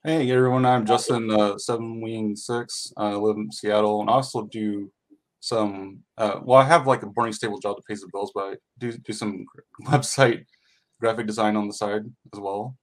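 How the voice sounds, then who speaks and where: Laid-back low-voiced man. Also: steady tone, moderate pace. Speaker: guest. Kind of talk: casual group video call.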